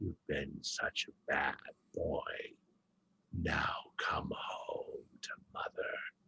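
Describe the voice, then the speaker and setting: Using a put-on character voice with extremely high pitch, a man speaks at a very slow pace with long, frequent pauses. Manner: creepy, sinister.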